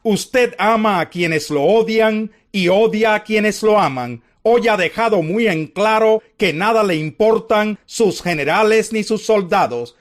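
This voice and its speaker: A stern military commander scolding his king, voiced by a man with a high voice. The tone is reproachful and insistent, heard in a narrated Bible story. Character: stern army general rebuking his king.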